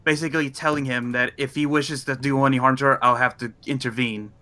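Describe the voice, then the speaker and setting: A man takes part in a tabletop game. His middle-pitched voice is bright and forceful, and he explains his character's words earnestly, with some formal phrasing. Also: steady tone, fast talker. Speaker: player in a tabletop roleplaying game. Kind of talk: casual chat, describing his character's speech.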